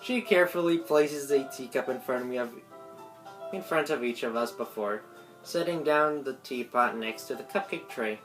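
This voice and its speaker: A woman narrating a visual novel, reading the story text aloud in a halting way with some stumbles. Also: rumbling low. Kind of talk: live dramatic reading of game text. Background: game music.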